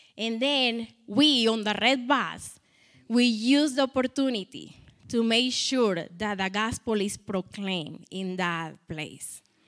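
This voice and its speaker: With a Colombian accent, a woman speaks at a very slow pace and a fairly high pitch with ordinary pitch variation, on a very clean recording with a silent background. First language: Spanish. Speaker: missionary. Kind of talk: church talk. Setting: church.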